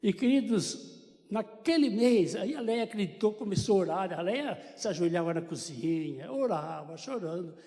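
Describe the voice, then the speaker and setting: Older Brazilian man, high mellow voice. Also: expressive, normal speed. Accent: Brazilian Portuguese. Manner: chatty storytelling with joking asides. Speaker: church member giving testimony. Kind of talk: church testimony to congregation. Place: church sanctuary. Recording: long church reverb.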